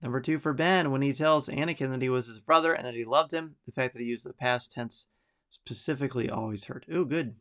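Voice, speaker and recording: A man's voice: medium pitch, brisk, fairly bright tone. A middle-aged man hosting a live podcast, chatty and enthusiastic as he reads out listener picks and reacts to them. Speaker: podcast host.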